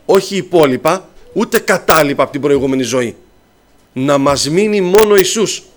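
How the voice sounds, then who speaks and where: Greek preacher telling a story. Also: male voice, fairly high pitch, expressive. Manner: storytelling, addresses listeners as brothers. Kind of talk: sermon.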